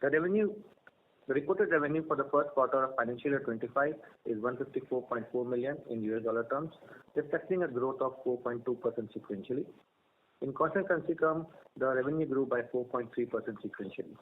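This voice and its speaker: A man's voice: mid-range voice, quick pace. A man working as a financial controller, reading out a scripted financial report over a thin conference line. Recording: phone-like conference line, faint noise.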